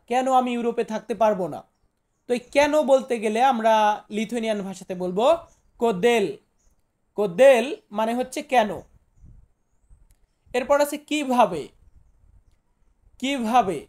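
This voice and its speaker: A man's voice: very high voice, darkish tone. Man teaching vocabulary, repeating words. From Bangladesh. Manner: repeats each word slowly, asks rhetorical questions. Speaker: language teacher. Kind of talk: vocabulary lesson for viewers.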